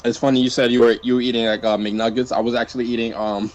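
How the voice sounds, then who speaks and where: A man coaching a fighting-game player in a casual online session, talking in a relaxed way with lots of fillers while chewing mints. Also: medium pitch, fast talker, dull audio. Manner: relaxed, filler-heavy talk.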